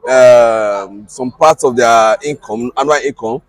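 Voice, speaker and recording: A man with a mid-pitched voice joins a casual conversation. He chimes in with agreement and asides. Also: slow, dry recording, faint music behind.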